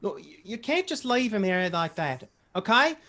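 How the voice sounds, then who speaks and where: A woman acts a friendly policewoman in a comedy read. Her mid-pitched voice is chatty and matter-of-fact, gently scolding and earnestly concerned. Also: big pitch swings, moderate pace.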